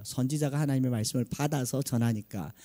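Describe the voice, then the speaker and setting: A man talks with a dark, mellow tone. Behind him there is total silence on a very clean recording. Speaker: pastor. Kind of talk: sermon. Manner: fast.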